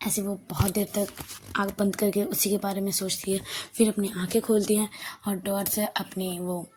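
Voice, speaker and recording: A woman tells an audio love story in a conversational way, at medium pitch, dropping to a hushed voice in tender passages. A faint hiss lies under the recording. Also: flat delivery, moderate pace.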